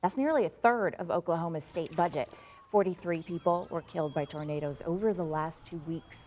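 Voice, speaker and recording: A woman's voice: lowish voice, a little fast, a little mellow, slight background noise. An American woman anchoring morning news in a TV studio, switching between news reading and chatty, conversational delivery. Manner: chatty, conversational, teasing asides. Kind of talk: broadcast news reading with playful co-anchor banter.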